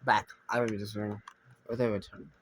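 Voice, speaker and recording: A man's voice: fairly low pitch, little pitch movement, brisk, background noise. A young man casually commentating his own gameplay as a streamer, rambling and thinking aloud, often trailing off mid-sentence. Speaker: gaming streamer.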